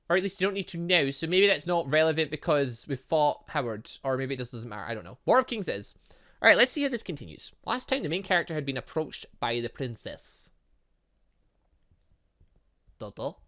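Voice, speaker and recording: Excitable gamer with very animated pitch. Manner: rambling, self-interrupting, excitable. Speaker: gaming video host. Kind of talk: playthrough commentary, reading game dialogue aloud.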